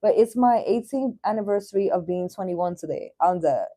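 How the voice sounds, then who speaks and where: Female, 30s, livestream tarot reader. Warm, relaxed tone, mid pitch, informal slangy chat. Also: normal speed. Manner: slangy, chatty, with swearing. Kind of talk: casual live chat and tarot reading.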